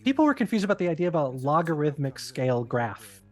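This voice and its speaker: Middle-aged man, brisk animated talker, a bit high, film commentary. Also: soft background music. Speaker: filmmaker giving director's commentary. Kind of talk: casual commentary chat.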